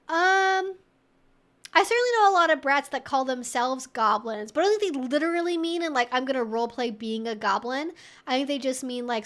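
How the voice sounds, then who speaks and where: A woman's voice: high-pitched, a bit bright. A woman hosting a live Q&A stream, thinking aloud in an informal, chatty, wry and opinionated way.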